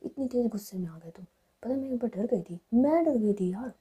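A doting young wife , played by a woman narrator, coaxes and teases in a soft, breathy, husky voice. The sound is dark and mellow with a slightly raised pitch. Her talk is playful and full of fond pet names. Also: lively intonation, a little fast. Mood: coaxing. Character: affectionate young wife, teasing and soothing.

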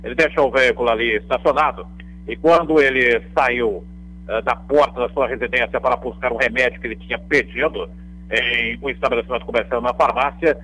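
A man's voice: mid-range voice, sharp tone, husky, poor audio. A middle-aged man from Brazil reading a radio police bulletin as a crime reporter, in a conversational way with fillers and tag questions. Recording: radio broadcast audio.

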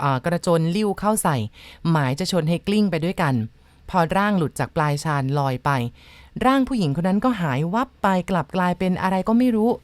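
Woman host, low-set voice, dramatic ghost-story narration, dry close mic. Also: a little mellow, no echo. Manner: measured, dramatic storytelling with polite particles.

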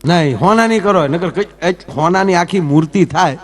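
A man's voice: high-pitched, moderate pace. A man performing folk comedy talk on stage, teasing the audience and jumping between jokes and asides.

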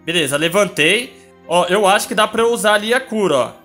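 A Brazilian man giving casual gameplay commentary as an excitable, scared horror game streamer who breaks into urgent exclamations. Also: high voice, fairly quick. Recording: music behind the voice.

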